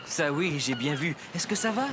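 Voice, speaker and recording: A man voicing a relaxed, helpful father in a cartoon, reassuring in manner. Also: a little high, moderate pace, heavy background noise, lightly acted. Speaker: cartoon character. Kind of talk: animated series dubbing.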